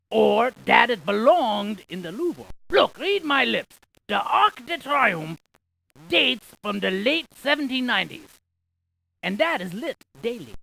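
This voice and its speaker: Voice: medium pitch, creaky, sharp tone, no room sound, full character voice. An actor voicing a chatty scientist in an educational video game, sharing trivia with folksy, quippy asides. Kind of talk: scripted educational video game character dialogue.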